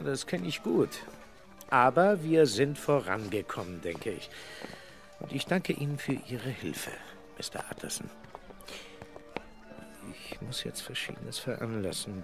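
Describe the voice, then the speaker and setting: Gravelly, methodical police inspector. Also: male voice, medium pitch. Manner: businesslike, musing, polite. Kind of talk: radio drama acting.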